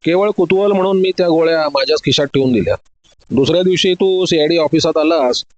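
Cool male detective in an audio story, measured and commanding, slightly dull sound, as the narrator puts him on. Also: on the high side, dry recording, close to an everyday voice. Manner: calm, commanding, methodical.

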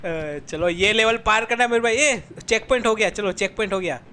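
High-pitched, excitable man gaming. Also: brisk. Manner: laughs a lot, yells for help, coaches friends. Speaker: gaming streamer. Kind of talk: excited multiplayer gameplay commentary.

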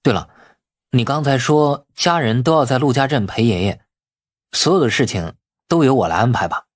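A man's voice: mid-range voice, expressive, moderate pace, close to an everyday voice. A man voicing an eager, obliging young nephew in audiobook dialogue of a city drama. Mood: earnest.

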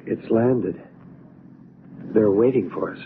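A man's voice: on the low side, takes it slowly. An actor in a 1970s radio drama playing a mysterious, coaxing man who speaks in a hypnotic, portentous way. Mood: certain, intent. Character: mysterious, coaxing man luring a woman to aliens. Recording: muffled, noisy old radio recording.

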